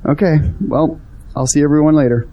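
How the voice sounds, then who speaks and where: A man's voice: fairly high pitch, brisk, muffled recording, slight background noise, natural voice. An actor playing an earnest, hopeful young Christian man in an audio drama. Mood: upbeat. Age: young adult.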